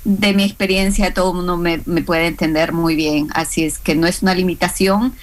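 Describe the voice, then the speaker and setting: A woman's voice: lowish voice, fairly even intonation, normal speed. Lady w/ hispanic accent explaining business stuff, lots of ums and restarts. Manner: hesitant, many fillers and restarts. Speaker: small business credit instructor. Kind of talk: radio and live stream interview guest.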